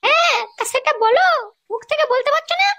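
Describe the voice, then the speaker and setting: A performer voicing a sharp-tongued young wife in a comedy cartoon, crude and taunting, with a West Bengal accent and a pitched-up voice. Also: quick pace. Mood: irritated. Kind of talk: amateur comedy cartoon dialogue.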